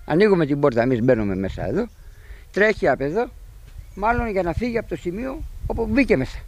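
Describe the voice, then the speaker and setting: A middle-aged man outdoors at his sheep pen, retelling to a reporter what happened in an agitated, animated way. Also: high-pitched, slight background noise. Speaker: sheep pen owner telling of an intruder. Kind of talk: eyewitness account to a reporter.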